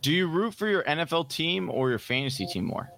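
A man co-hosting a podcast, with a slightly high voice. His pitch moves all over the place, and he puts his quick questions in a lively, animated way. He keeps a casual-chat feel. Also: creaky. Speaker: podcast co-host.

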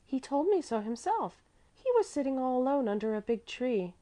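A woman's voice: sits high, big pitch swings, normal speed, mellow, voice pushed up. A woman voicing a chatty, trusting little girl who prattles eagerly in a children's storybook. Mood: calm, assured.

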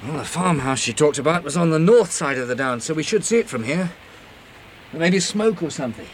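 A man playing a weary, kindly English survivor in a 1960s radio drama, gentle and measured in manner. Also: on the high side, lively intonation, close to an everyday voice. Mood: concerned. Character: weary, kindly male survivor narrating his journey. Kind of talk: 1960s British radio drama narration and dialogue. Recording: hissy old radio recording.

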